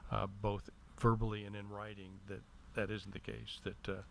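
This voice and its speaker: A man speaking in a measured, lawyerly way as he gives formal but halting remarks at a public meeting. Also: lowish voice, level tone, gravelly, a bit bright. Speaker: city attorney. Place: indoor council meeting room. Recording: noisy room public-meeting microphone.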